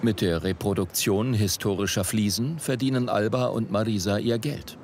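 A man reading scripted voice-over narration for a TV report in a measured, even way. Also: lowish voice, slight background noise. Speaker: documentary narrator.

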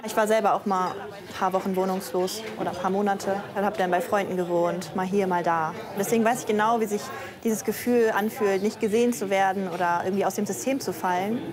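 A woman's voice: mid-range voice, steady tone, a little fast, crowd noise. A woman in her thirties, a pastor, talking openly and reflectively in an interview. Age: 30s. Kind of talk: casual interview talk.

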